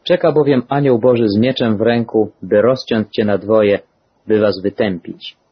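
Daniel, a stern young judge, as a reader puts him on. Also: male voice, fairly low pitch, fairly even intonation, normal speed, breathy edge. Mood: stern rebuke. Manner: stern, rebuking. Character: young man Daniel, bold righteous judge. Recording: dull lo-fi recording.

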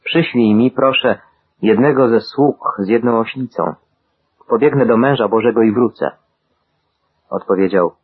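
A man giving a steady, measured Bible reading, voicing the quoted dialogue in the same even manner. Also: fairly low pitch, slightly rough, narrow, tinny audio. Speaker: scripture reader.

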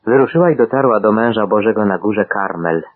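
Husky low-voiced man reading scripture. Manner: measured, solemn reading. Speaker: Bible reader. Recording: tinny phone-like radio sound.

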